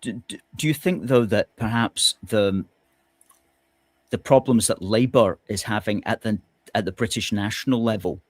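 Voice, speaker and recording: A man hosting a political discussion, measured and questioning, with hesitant fillers. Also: on the low side, no echo. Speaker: host.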